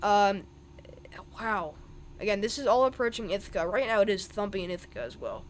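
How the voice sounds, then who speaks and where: A young man with a high, animated voice gives fairly quick live weather commentary on a stream. He thinks aloud over the radar, full of ums and restarts, and there's a slight hiss or hum.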